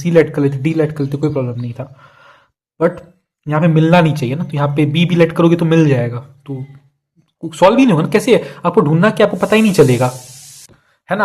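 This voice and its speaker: Teaching math online in a relaxed way, this young man chats along, goes over every key step more than once, and addresses students as "yaar" and "bhai." He has a fairly high-pitched, darkish-toned voice.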